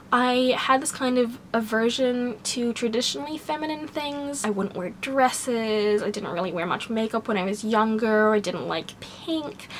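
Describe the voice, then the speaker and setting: A young woman speaks straight to a close camera in a small room, her voice hoarse because she has a cold. She talks in a candid, wry, rambling way, sitting a little high in pitch. A faint hiss sits under the recording. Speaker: vlogger. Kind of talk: casual talking-to-camera vlog. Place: small home bedroom, indoors.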